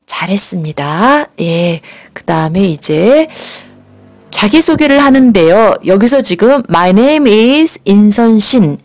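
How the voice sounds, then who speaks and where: A woman's voice: mid-range voice, darkish tone, no echo. Patient Korean woman teaching English. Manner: patient, polite explaining with slow, careful English model phrases for repetition. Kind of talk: recorded language lesson.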